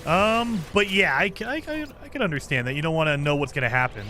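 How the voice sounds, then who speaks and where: A man streaming a game live, chatting casually and reading viewer comments, with a voice he calls high-pitched for a man. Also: quick pace, faint music behind. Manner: chatty, lively, self-deprecating.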